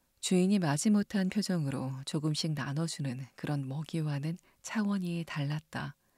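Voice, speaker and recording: A woman speaks at a fairly slow pace in a very deep, low pitch with ordinary pitch variation. Her tone is calm and warm, somewhat breathy. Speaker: audiobook narrator. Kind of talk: dramatic narration of a novel, read aloud as a bedtime audiobook. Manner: calm, warm, slow and soothing, with expressive emphasis.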